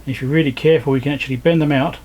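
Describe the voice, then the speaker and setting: A man giving casual, low-key commentary as he works, thinking aloud step by step like a repair video host. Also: fairly even intonation, racing, darkish tone, husky. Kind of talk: casual hands-on commentary while working. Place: indoor repair workbench.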